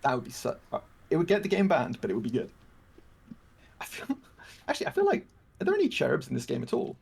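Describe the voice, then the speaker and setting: A man talking with a friend over voice chat during a game. His voice has a gravelly fry and a husky edge. He riffs in a rambling way and strings ideas together with "like". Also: medium pitch, very fast. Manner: rambling, animated riffing with filler "like". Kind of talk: casual gaming chat.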